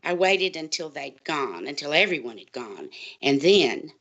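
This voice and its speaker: Woman playing an intense, bright-voiced conspiratorial librarian. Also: low voice, big pitch swings, measured pace, highs cut off, exaggerated voice. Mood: suspenseful. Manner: dramatic, urgent, portentous. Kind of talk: scripted audio drama, suspenseful monologue.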